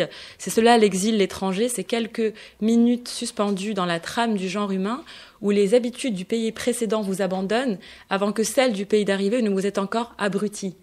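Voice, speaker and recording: A woman in her thirties, a novelist guest on a local radio show, speaking at a medium pitch. She answers thoughtfully but haltingly, with frequent fillers and restarts as she searches for words. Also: a little mellow. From Morocco. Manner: hesitant, many fillers and restarts.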